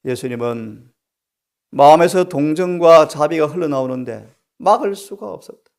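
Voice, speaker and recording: A middle-aged pastor preaching a sermon, often putting rhetorical questions to his congregation and swinging between soft, quiet phrases and loud, emphatic bursts. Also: a little high, normal speed.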